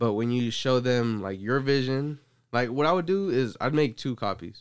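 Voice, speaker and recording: This man's pitch sits at a medium level. It rises and falls in an ordinary way. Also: very clean recording, silent background. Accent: Californian. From Stockton, California. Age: 20s. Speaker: photographer. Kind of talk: casual chat.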